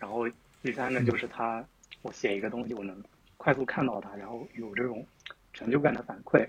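A man of medium pitch moves at a fairly quick pace with fairly even intonation, big swings in loudness, and long, frequent pauses. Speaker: front-end developer, open source contributor. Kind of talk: casual interview chat. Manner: hesitant, many fillers.

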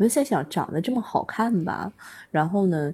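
Her dark, mellow tone comes through somewhat breathy. This woman speaks at a fairly quick pace with lively intonation. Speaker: caller. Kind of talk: casual phone chat.

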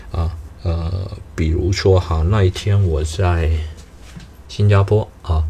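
A man speaks very slowly in a very deep, low pitch, with long, frequent pauses. Noticeable background noise runs underneath. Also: fairly even intonation. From southern China. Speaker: immigration and study-abroad consultant, podcaster. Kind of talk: solo monologue podcast. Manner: halting, many fillers.

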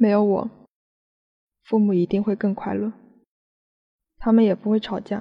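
A woman speaks at medium pitch and a moderate pace, somewhat breathy. Her intonation is monotone and flat, with long, frequent pauses. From Taizhou, Zhejiang, China. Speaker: university student telling her story. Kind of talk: personal testimony.

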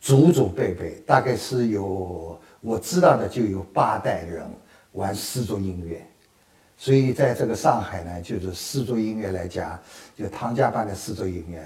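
A man's fairly low, somewhat breathy voice at a fairly slow pace, with lively intonation and big swings in loudness. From Shanghai. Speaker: traditional Chinese musician. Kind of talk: interview.

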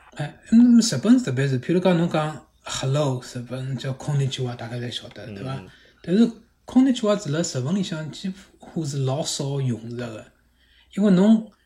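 The man's voice is fairly high in pitch yet dark and mellow in tone, and somewhat breathy. At a moderate pace, his pitch swings very widely and his loudness rises and falls a lot. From Shanghai, China. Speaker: former soldier and finance worker. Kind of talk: casual chat.

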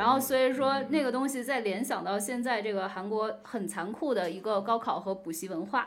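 A woman speaks in an ordinary speaking voice, fairly high-pitched with ordinary pitch variation. Her pace is moderate, with hardly any pauses. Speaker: podcast host. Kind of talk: casual chat.

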